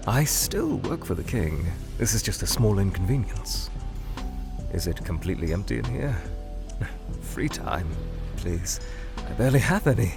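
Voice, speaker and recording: A man performs a formal, eccentric monster scientist who talks in a low register. His voice ranges widely, from hushed whispery musing to sudden panicked outbursts. Music plays clearly behind him. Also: exaggerated voice. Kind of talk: fan-made ask-series voice acting.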